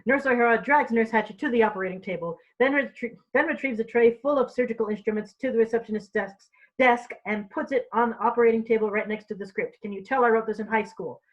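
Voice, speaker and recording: Woman reading out stage directions, bit muffled mic, highish voice, informal, trips on words. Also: fast, hardly any pauses. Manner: stumbles and repeats words. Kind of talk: scripted narration, informal read-through.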